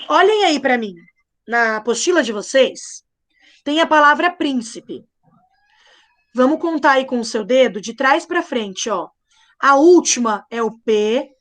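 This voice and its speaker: Young woman, high voice, playful and patient teacher spelling things out slowly for kids. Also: fairly bright tone. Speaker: primary school teacher. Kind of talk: live online class lesson.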